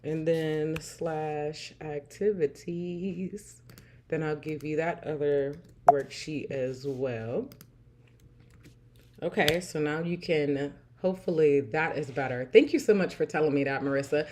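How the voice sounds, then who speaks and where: Woman livestream host, lowish voice, warm and chatty, quick to laugh, reads viewer comments aloud. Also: slight background noise. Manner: warm, chatty, laughs often, repeats "I love it". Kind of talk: casual livestream chat reading viewer comments.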